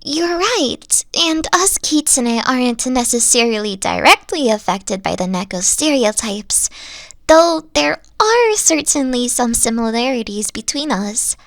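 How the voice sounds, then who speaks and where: A gentle three-tailed fox-girl girlfriend, voiced by a woman for a close-mic audio roleplay, soft-spoken and careful as she explains. Her raised voice carries a gravelly fry, and she talks slowly. The sound is dry and close. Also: a little high, lively intonation, no room sound. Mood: hesitant, tender. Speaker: voice actor.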